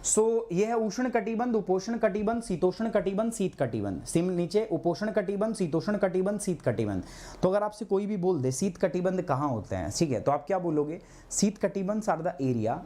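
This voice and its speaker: A hoarse man teaching a live online geography class, asking his students questions and answering them himself, with English terms mixed in. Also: high voice, dark tone. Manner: clears his throat often.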